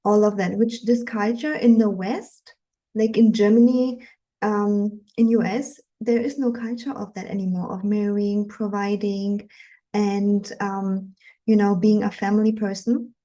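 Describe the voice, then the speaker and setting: Mellow-voiced woman coaching with earnest energy. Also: medium pitch, unhurried, poor audio. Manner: earnest, animated, frequent fillers. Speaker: dating coach. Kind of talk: live webinar talk.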